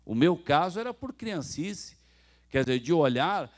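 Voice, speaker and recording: A man's voice: on the high side, sing-song, unhurried. A man preaching a sermon in a Brazilian Portuguese accent, telling stories and acting out the dialogue while speaking straight to the congregation. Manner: storytelling preacher who acts out quoted dialogue; addresses the congregation directly. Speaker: pastor.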